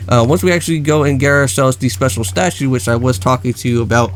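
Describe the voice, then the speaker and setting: A man's voice: mid-range voice, quick pace. A man hosting a gaming video, explaining things in a casual, rambling way and often repeating phrases. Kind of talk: casual let's play commentary. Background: background music.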